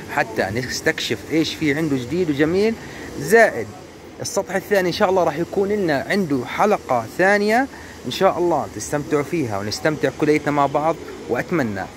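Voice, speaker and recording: A man talks at a moderate pace. The sound is dry with no echo, but there is noticeable background noise. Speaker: pigeon-keeping vlogger. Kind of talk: casual vlog chat. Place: open country. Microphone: phone near.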